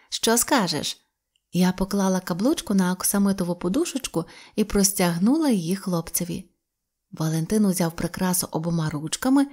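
A woman's voice: medium pitch, warm tone. Woman reading a fairy tale aloud. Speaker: storyteller. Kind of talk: scripted fairy-tale narration.

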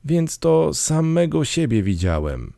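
A man's voice: medium pitch, sing-song, normal speed, vocal fry, mellow, no room sound, studio quality, voice pushed up, exaggerated voice. A man reading an audiobook, voicing a terrified old male miser who desperately pleads with a spirit in a raised, anguished voice. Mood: desperate pleading. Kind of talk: audiobook character voice.

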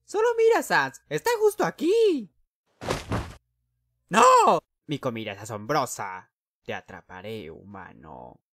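A man voicing a loud, boastful tall skeleton guard in a cartoon fan dub, shouting with wild theatrical leaps in pitch. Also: very animated, takes it slowly, background noise. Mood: excited.

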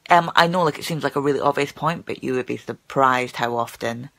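A woman's voice: very deep voice, a little fast, a bit bright. A young woman who stammers, chatting casually with her viewers in a live stream, full of fillers and repeated words, filmed on a phone at arm's length in a small room. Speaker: channel host who stammers. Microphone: phone held at arm's length.

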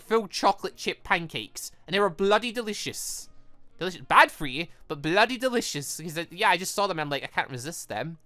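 An excitable, chatty let's player who giggles while commenting on and reading out a visual novel. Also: mid-range voice, no room sound. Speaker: host of a game playthrough.

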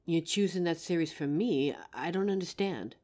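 A woman voicing a gentle young female werewolf girlfriend in an audio roleplay, speaking tenderly and slowly through a grounding exercise. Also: lowish voice, close to an everyday voice. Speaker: voice actor.

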